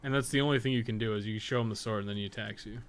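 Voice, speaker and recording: A game streamer and podcast co-host rattles off casual live gameplay commentary at a racing pace, thinking aloud, rambling, and swearing freely. His voice is lowish with a steady tone, and the stream audio is clearly noisy.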